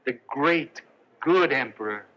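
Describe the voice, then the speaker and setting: An actor playing a meek, gentle Christian tailor who talks soothingly and cajolingly, in 1950s film acting. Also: male voice, medium pitch, lively intonation, slow pace. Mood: coaxing. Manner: soft, coaxing and cajoling, talks baby-talk to the lion. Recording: dull old film soundtrack with hiss.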